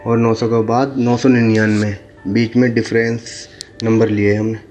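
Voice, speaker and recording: A man teaching a slow, repetitive lesson, saying each number again and again and correcting mistakes in the book. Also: mid-range voice, little pitch movement, darkish tone, faint music behind. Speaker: Arabic teacher.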